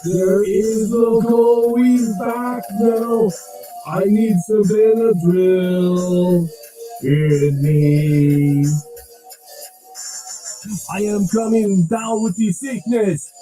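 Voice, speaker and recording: A man playing a sick, lonely trucker streamer who coughs and begs for donations, with a hoarse, scratchy throat and a self-pitying manner. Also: high voice, drawn-out words, mellow, soft background music. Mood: droning song. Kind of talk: comic parody clip.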